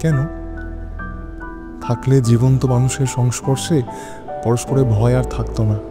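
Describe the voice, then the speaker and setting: An actor playing an anxious husband who narrates a horror audio drama in a brooding, dramatic way with halting phrases. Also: male voice, medium pitch, little pitch movement, over music, lightly acted. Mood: longing, suspense. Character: anxious husband narrating his haunted stormy night.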